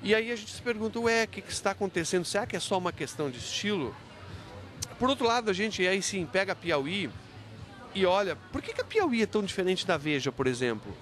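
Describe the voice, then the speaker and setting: Faint music plays behind a university professor as he's interviewed on the spot about his book. His high-pitched, fairly bright voice swings widely in pitch and moves fairly quickly. He explains didactically, tossing out rhetorical questions and repeatedly checking himself.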